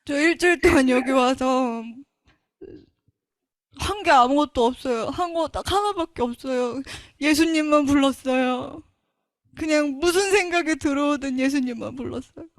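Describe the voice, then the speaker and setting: Woman, high voice, dry close sound, earnest emotional Christian testimony. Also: normal speed, no room sound. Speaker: testimony speaker.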